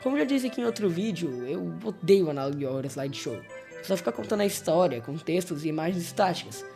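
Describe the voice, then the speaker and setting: A man's voice: a little high, animated, quick pace, gravelly, dark tone, faint music behind. A man with a Brazilian accent narrates a story recap as a video host, in a casual scripted style with informal, wry asides. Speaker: YouTube host narrating horror series recaps.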